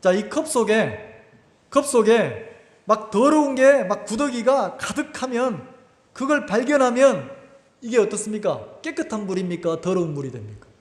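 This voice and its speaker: High, lively pastor preaching. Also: male voice, moderate pace. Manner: asks the congregation rhetorical questions. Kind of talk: sermon. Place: church sanctuary. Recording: echoey church hall with long reverb.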